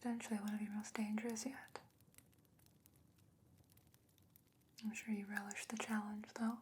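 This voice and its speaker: Whispering, calm fantasy sorceress played by a woman. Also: medium pitch, slight background noise, lightly acted. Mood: grave, caring. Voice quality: breathy whisper. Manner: hushed, measured, deliberate. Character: calm, knowing fantasy sorceress potion-maker. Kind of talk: soft-spoken whispered ASMR roleplay.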